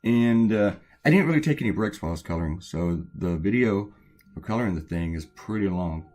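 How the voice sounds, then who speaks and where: A man with a very deep, slightly hoarse voice talks casually while he draws. He rambles through anecdotes with lots of fillers and restarts, in a weak, worn voice. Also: lively intonation, brisk, a little mellow. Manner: rambling, chatty storytelling with many fillers. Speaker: cartoonist. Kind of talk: casual chat while drawing.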